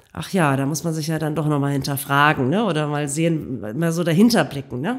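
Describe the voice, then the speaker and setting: Over a quiet background, a woman is speaking. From Lower Rhine, Germany (Krefeld area, rural); Lower Rhine, Germany. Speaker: linguistics professor and communications consultant; linguistics professor. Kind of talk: casual interview. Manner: hesitant, many fillers. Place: meeting room. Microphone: studio mic.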